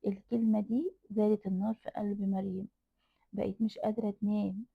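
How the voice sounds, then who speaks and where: Brief: Egyptian storyteller, dramatic horror narration, mid pitch, tinny dry phone sound. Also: female voice, level tone, fairly quick, vocal fry, slightly rough, no room sound. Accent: Egyptian Arabic. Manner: dramatic, repeats phrases for emphasis.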